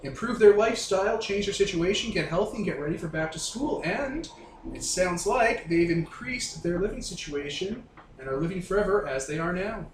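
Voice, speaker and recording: A man playing a breezy, flattering radio talk-show host who chats indulgently with his guests in a showman's patter. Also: sits high, normal speed, reverberant, slight background noise, pitched above the performer's own voice, poor audio. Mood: smoothly gracious. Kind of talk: radio interview role-play.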